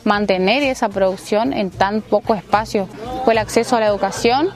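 A woman's voice: mid-range voice, normal speed, over music. A young woman farmer from Corrientes, explaining her work in a plain, thoughtful way. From Corrientes, Argentina. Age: young adult.

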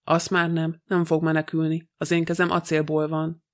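A man voicing a calm, fearless young female acrobat, speaking without excitement. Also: fairly high pitch, close to an everyday voice. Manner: calm, unexcited.

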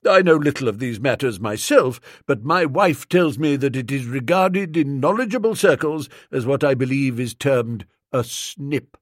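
A man's voice: medium pitch, animated, moderate pace, hardly any pauses, no echo, clean studio sound, natural voice. A man voicing a stout, pompous elderly lord who speaks in stiff, formal, long-winded sentences. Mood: stately.

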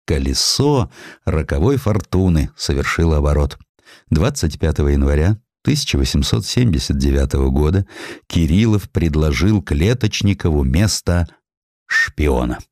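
A male narrator tells a historical tale in a deep, mellow voice. His delivery is dramatised and very expressive in pitch, and the sound is close and dry. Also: moderate pace, dry recording.

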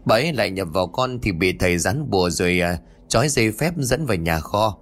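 Guy putting on a nervous young servant girl, high and quick, bouncy. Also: lively intonation, lightly acted. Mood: anxious.

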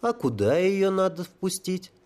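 A man's voice: high-pitched, sing-song, unhurried, a little mellow, pitched above the performer's own voice. A man voicing a tearful, simple-minded holy fool who talks about himself like a child. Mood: eager. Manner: childlike pleading, stuttering.

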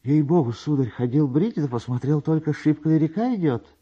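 A man's voice: a little high, expressive, fairly quick, dark tone, slightly rough, muffled recording, pitched above the performer's own voice. A man voicing a timid, servile barber in a story reading, meek and obsequious. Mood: fearful, ingratiating. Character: timid, servile male barber pleading with authority.

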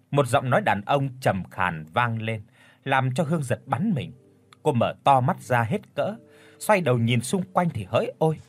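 A man narrating an audio story in a dramatic, expressive way. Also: medium pitch.

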